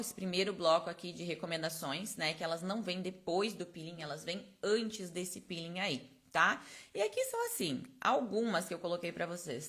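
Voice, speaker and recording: Close to her personal mic, a Brazilian woman leads a live online esthetics class in a chatty, explanatory way, constantly adding little check-in questions to her points. She has a lowish, somewhat bright voice.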